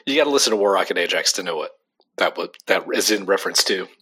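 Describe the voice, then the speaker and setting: Low-pitched and animated, this young co-host talks at a quick pace with a sharp tone and a breathy edge. He keeps the casual podcast conversation loose, chatty, and laugh-filled, saying "like" often.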